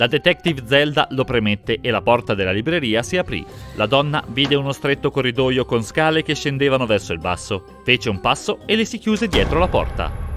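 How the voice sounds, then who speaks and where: A man speaks at a fairly quick pace, his pitch swinging very widely. Music plays in the background, and the sound is dry with no echo. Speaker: narrator. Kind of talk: storytelling narration of riddles.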